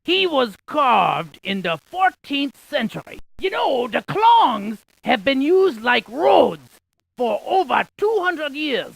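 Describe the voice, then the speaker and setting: A man voicing an excitable, quirky scientist in a video game, with a creaky voice and a folksy, jokey, exaggerated delivery. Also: very high-pitched, takes it slowly, no echo, heavily acted. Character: excitable, quirky scientist tour guide, full of folksy quips. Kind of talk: cartoonish video game character lines.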